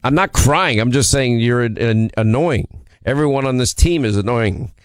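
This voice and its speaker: A middle-aged man with a hoarse voice from a cold, hosting a political talk radio show in a brash, combative way with sarcastic asides. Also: medium pitch, moderate pace, dry recording, clean studio sound.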